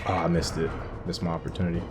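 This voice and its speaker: A man's voice: sits low, little pitch movement, very fast. A man giving casual commentary as he plays through a video game for his viewers. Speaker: gaming streamer doing a playthrough. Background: game music.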